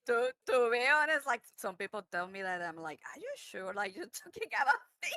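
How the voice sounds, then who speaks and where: Brief: giggly woman streamer, bright tone, filler-heavy chat. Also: medium pitch, sing-song, a little fast, no room sound. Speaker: streamer guest. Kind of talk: casual chat.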